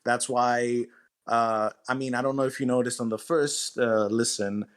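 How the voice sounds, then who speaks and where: A man with a medium-pitched voice talks as the guest writer in an interview. His delivery is informal and conversational, like explaining his own work in a chat. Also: steady tone, moderate pace, smooth.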